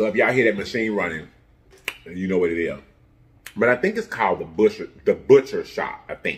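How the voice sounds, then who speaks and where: There is light background noise as a man talks at a fairly quick pace. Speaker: food vlogger. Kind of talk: casual vlog chat. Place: home room. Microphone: phone near.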